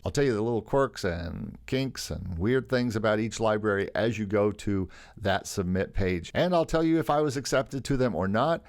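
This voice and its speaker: A middle-aged man hosting a music licensing tutorial channel, talking in an enthusiastic, salesy way. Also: lowish voice. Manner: enthusiastic, salesy, calls himself a carnival barker. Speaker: YouTube host teaching music licensing. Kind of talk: upbeat promotional tutorial.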